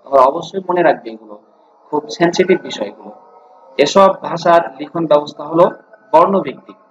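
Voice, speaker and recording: A man's voice: a little high, brisk. A male teacher with a Bangladeshi Bengali accent giving a grammar lesson, asking questions and answering them himself and repeating key points, mixing English words into his explanations. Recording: dull lo-fi recording with faint noise.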